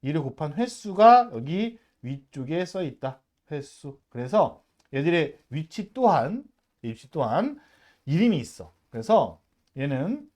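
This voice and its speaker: A math teacher in the middle of a casual lesson for middle schoolers, the pitch swinging up and down in lively swoops. The talk is chatty and emphatic, full of quick rhetorical check-ins, and keeps pushing the students to say each term aloud.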